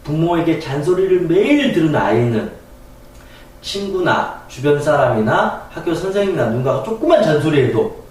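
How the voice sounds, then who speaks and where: A man giving a spoken lecture as a channel host, talking in an animated way and acting out examples. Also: a little high, normal speed. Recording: echoey room, distant mic.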